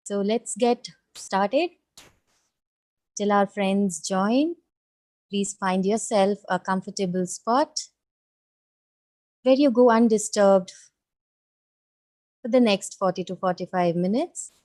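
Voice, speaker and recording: Slow, mellow woman guiding meditation. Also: medium pitch. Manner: gentle, soothing instruction with long pauses. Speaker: guided meditation leader. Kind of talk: guided meditation.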